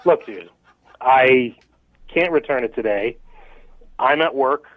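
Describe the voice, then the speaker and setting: A man's voice: mid-range voice, animated, slow pace, dry recording. A man talking over the phone at work, puzzled and irritated, pushing back against a caller. The line sounds thin and tinny, with no room sound around his voice. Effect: heard over the phone. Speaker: prank call target. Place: at his workplace.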